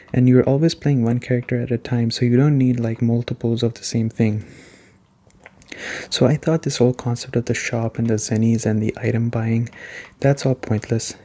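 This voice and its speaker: A man giving a soft-spoken ASMR gaming review, talking conversationally and repeating his points for emphasis. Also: medium pitch. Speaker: game reviewer.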